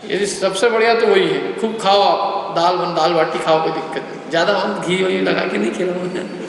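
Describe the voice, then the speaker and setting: High-voiced man lecturing in an echoey hall. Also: steady tone, normal speed, creaky. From India. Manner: explains step by step, asks the listeners questions. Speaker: lecturer on scripture. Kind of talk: religious lecture to a class. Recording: echoey hall, faint background noise.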